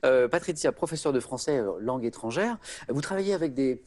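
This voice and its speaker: A man hosting a televised quiz show, lively and prompting his guests with follow-up questions. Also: medium pitch, fairly quick. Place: TV studio with audience.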